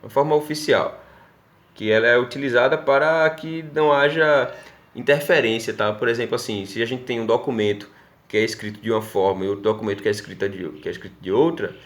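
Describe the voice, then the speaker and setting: A man's voice: mid-range voice, fast, a bit bright. Man teaching with Pernambuco accent. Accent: Pernambuco Brazilian Portuguese. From Northeast Brazil. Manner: explanatory, checks in often with "né?" and "tá bom?". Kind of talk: recorded class lesson.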